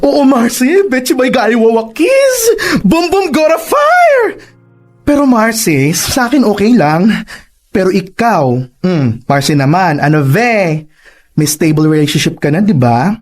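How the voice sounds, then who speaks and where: A man's voice: high-pitched, sing-song, takes it slowly, heavily acted. A man voicing a flamboyant gay male best friend in a Tagalog audio drama, teasing and campy with dramatic exclamations. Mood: scolding. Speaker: office colleague.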